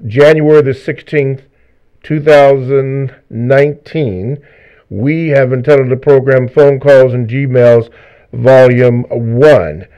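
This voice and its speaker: A man's voice: mid-range voice, takes it slowly, dark tone, clean tone. Male radio co-host, slightly muffled sound. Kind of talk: live talk radio hosting and show promos. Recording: slightly dull lo-fi radio audio.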